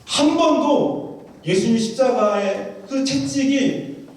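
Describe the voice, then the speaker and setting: Preacher with a high voice in an echoey church. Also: male voice, slow. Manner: vivid storytelling, acting out quoted lines. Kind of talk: sermon with storytelling. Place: large church sanctuary. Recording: echoey church hall, voice from far off.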